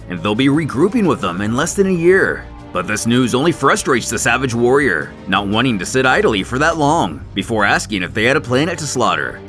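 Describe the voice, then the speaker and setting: A man's voice: medium pitch, a bit bright. A man narrating a scripted story in a dramatic, theatrical manner. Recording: music under the voice. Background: music.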